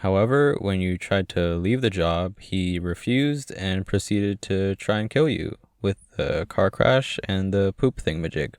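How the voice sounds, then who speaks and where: A man's voice: low-pitched, expressive, a little slow, few pauses, a little mellow, clear, resonant tone, no room sound, studio quality. A young man playing a devoted, panicky boyfriend with casual, sarcastic asides in an audio roleplay. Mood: incredulous, wry. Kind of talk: ASMR audio roleplay acting.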